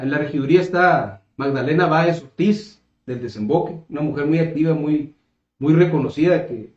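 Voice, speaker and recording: This man's voice is a little high with a darkish tone, carrying a northern Mexican accent from the Caborca coast of Sonora. He's a political candidate in his fifties being interviewed at a table in a small room, answering conversationally and frequently hesitating or repeating words while he searches for the next. Audio sounds slightly dull, with roomy echo.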